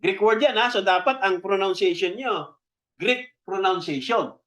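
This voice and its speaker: A Filipino-accented man preaching a teaching sermon, chatty and checking in with the congregation, slowing down to stress key words. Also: high voice, a bit bright. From Philippines. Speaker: pastor.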